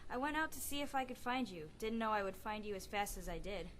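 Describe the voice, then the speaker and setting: A woman's voice: mid-range voice, expressive, fast, a bit bright, a little hiss or hum, lightly acted. A young woman playing a tough, bossy survivor in an amateur zombie horror radio drama, speaking bluntly and with command. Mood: tense, impatient.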